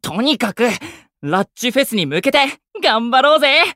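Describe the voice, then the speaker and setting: A man's voice: very high-pitched, big pitch swings, normal speed, sharp tone, no echo, studio quality, exaggerated voice. A man playing a hot-blooded, boastful young idol with exuberant, theatrical bravado in an anime-style audio drama. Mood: fired up.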